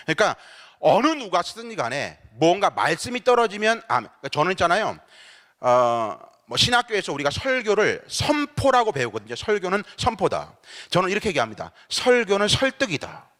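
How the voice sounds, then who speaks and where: A man's voice: on the high side, big pitch swings, fairly quick, bright, forceful tone. A man from Seoul, a pastor leading a church seminar, giving a playful, teasing lecture that keeps addressing the audience directly. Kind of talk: lively humorous seminar lecture. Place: church sanctuary. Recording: long hall reverb in a church.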